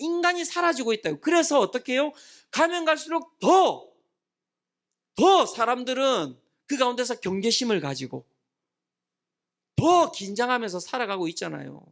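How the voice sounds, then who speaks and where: A man's voice: very high-pitched, sing-song, a little fast, fairly bright tone. A middle-aged male pastor preaching a prayer-meeting sermon, asking the congregation questions and answering them himself. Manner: acts out scolding parents and children.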